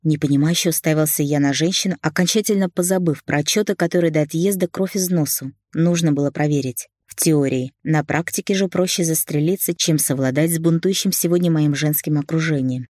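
A woman with a low, even speaking voice reads a novel aloud, steady and expressive. The recording is dry and close, with no room echo at all. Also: brisk, few pauses. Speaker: audiobook narrator. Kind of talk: scripted audiobook narration.

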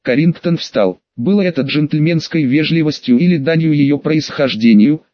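A man reading a novel aloud as narrator, in a steady storytelling manner. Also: fairly high pitch, normal speed, no echo. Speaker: audiobook narrator. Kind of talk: scripted narration. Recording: dull lo-fi dry recording.

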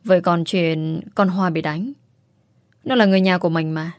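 A woman's voice: fairly low pitch, steady tone, moderate pace, darkish tone, dry recording, lightly acted. A woman voicing a stubborn, domineering mother-in-law who nags insistently. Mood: worried. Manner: nagging, insistent.

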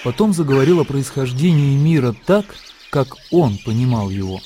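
A man narrating a classic story in a measured, calm way. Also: mid-range voice, a little hiss or hum. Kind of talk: scripted literary narration. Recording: narration over background music.

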